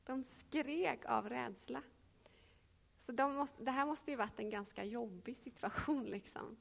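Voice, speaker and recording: Woman preaching with a gravelly voice. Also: fairly high pitch. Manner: reflective, with frequent hesitations. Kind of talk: sermon with Bible reading.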